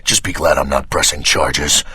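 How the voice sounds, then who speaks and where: An actor playing a gruff, hard-bitten military squad commander in a video game, barking threatening orders. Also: male voice, rumbling low, fairly even intonation, moderate pace, bright, forceful tone, no room sound, heavily acted. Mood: stern. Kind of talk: video game combat barks.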